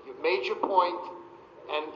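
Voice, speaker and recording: A man chairing a town meeting, measured and firm, steering a speaker along. His voice is somewhat high for a man and rings out in a large echoing hall, muffled with faint noise. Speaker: presiding board official.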